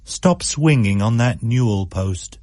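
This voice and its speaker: A man reading a radio story, voicing a brisk mother with a dry, scolding humour. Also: mid-range voice, lively intonation, warm tone, no room sound. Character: brisk, dry-witted mother, middle-aged.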